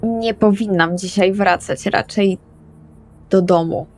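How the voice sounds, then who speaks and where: A woman's voice: mid-range voice, slow, faint music behind, natural voice. A woman playing an anxious, literal-minded young female vampire in an improvised tabletop roleplay, speaking plainly and hesitantly.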